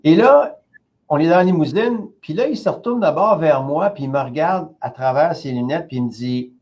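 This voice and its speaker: A man's voice: fairly high pitch, normal speed, dull audio. A man in his fifties with a Québécois French accent, telling anecdotes as a guest in a casual interview. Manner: lively storyteller, conversational. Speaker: company president, interview guest.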